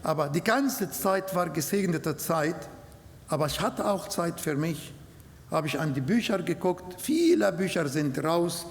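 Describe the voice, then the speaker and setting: A man whose first language is Arabic, preaching a sermon in slow, halting German with non-native grammar. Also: on the high side, animated. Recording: long hall reverb.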